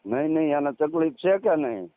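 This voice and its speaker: A man in his thirties with a Saurashtra Gujarati accent, talking casually as a caller in halting, repeated short phrases. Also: on the high side, lively intonation, no room sound. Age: 30s. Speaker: caller, farmer. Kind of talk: casual phone conversation. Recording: tinny, narrowband phone call recording.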